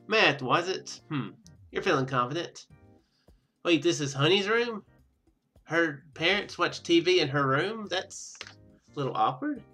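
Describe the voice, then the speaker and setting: A man hosts a gaming video in a bright, forward voice pitched a little high. He comments casually and throws in animated, joking asides, with game music faintly behind him. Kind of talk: casual game commentary, reading dialogue aloud.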